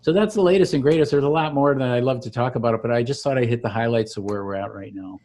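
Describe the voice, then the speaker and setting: A man founder demonstrating his software tool step by step in an easygoing, explanatory way. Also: mid-range voice, faint music behind. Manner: relaxed, explanatory, slows to show steps. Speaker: software founder giving a demo. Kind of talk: walkthrough of an online tool.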